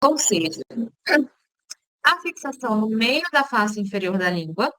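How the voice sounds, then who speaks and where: A speech therapist with a Brazilian Portuguese accent gives an informal online lecture, explaining casually and often checking in with "tá?". Her fairly high, sing-song voice moves a little slowly with a sharp tone, and the recording is rough.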